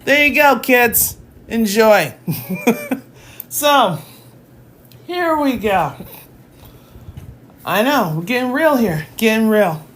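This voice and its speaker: A woman's voice: on the high side, sing-song, drawn-out words, long pauses. A woman math tutor in her forties, chatting and teasing her live chat between lessons, talking into her phone at home. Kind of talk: casual livestream lesson.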